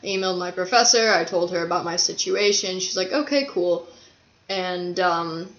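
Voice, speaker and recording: A man's voice: sits high, moderate pace, fairly bright tone. A young trans man, a college student, chatting casually about his own experience and rambling with easy laughs. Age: young adult. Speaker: vlogger. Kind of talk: casual chat. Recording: roomy, slightly dull sound.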